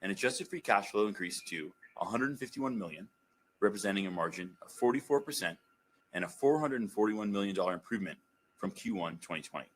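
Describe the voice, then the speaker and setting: Lowish-voiced male finance executive, noisy line. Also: lively intonation, a little fast. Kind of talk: scripted financial report.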